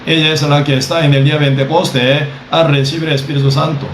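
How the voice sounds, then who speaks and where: Man preaching a slow, echoey sermon. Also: fairly high pitch, flat delivery, a little hiss or hum. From Costa Rica. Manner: measured, repeats "¿verdad?" often. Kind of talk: sermon teaching. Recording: echoey room with faint ambience.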